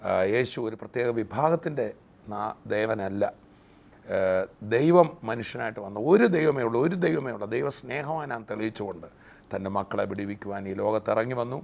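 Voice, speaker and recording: A man who hosts a Christian TV program leads a fervent prayer for healing, his declarations rising loud and emphatic, then gives a closing message. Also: on the low side, moderate pace, vocal fry. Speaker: TV program host and preacher.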